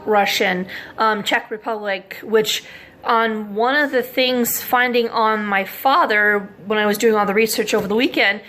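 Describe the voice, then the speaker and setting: A woman in her forties talking casually to camera, rambling with many pauses and fillers as she thinks aloud. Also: fairly high pitch, a bit bright, a little hiss or hum. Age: 40s. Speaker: vlogger.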